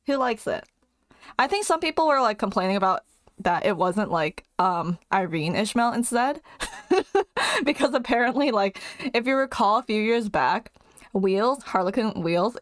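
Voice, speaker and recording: A woman streamer chatting casually and excitedly as she reacts, rambling with plenty of fillers and giggles. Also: on the high side, no room sound.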